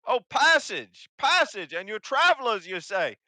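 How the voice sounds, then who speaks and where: A man voicing a sly, dim, blustering hobgoblin guard in a high, strained, shouting voice for a tabletop game. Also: big pitch swings, a little slow, dry recording, full character voice. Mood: scheming, loud. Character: loud, sly, dim hobgoblin toll-extorting guard, male.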